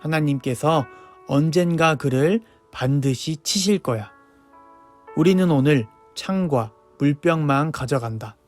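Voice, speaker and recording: A man voicing a calm, firm leader who forbids his soldier to kill, for a children's Bible story. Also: a little high, measured pace, faint music behind, natural voice. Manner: firm, commanding. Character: calm firm male leader refusing revenge.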